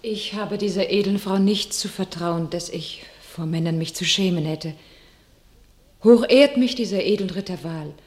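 An actress playing a devout young shepherd maiden turned warrior, speaking solemn, declamatory classical verse in a radio drama. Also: female voice, fairly low pitch, normal speed, a little mellow, close to an everyday voice. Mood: proud, resolute.

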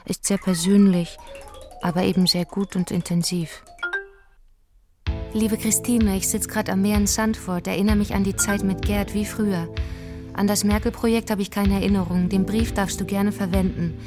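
Measured woman reading over music. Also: mid-range voice, fairly even intonation. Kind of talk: scripted reading of notes and letters in a radio feature. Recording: music under the voice.

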